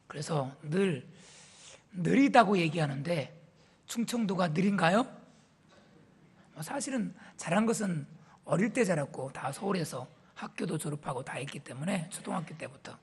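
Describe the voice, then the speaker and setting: A male pastor from Seoul, warming up the congregation with jokes and teasing questions before his sermon. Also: on the high side, lively intonation, moderate pace, vocal fry, slightly rough. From Korea, raised in Seoul. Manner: playful, teasing the audience with questions. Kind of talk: joke-telling warm-up before a church sermon. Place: church hall. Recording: reverberant church hall.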